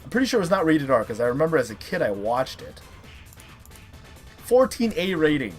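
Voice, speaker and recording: A man in his thirties hosting a casual, chatty video countdown, talking in an animated, emphatic way with playful hype. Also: a little high, a little fast, soft background music. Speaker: host of a top three video series.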